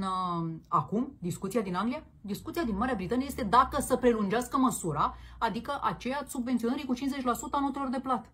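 A woman hosts a political commentary show, ranting in a combative, crude, mocking style sprinkled with slang forms of address. Her voice is a little high and fairly bright, with a breathy edge.

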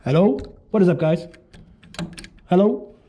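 Excitable man exploring a house. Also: sits high, unhurried, dull audio, a little hiss or hum. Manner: excitable, keeps calling out to viewers. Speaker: urban explorer vlogger. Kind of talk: casual exploring vlog to camera. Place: empty abandoned house, indoors. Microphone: handheld action camera.

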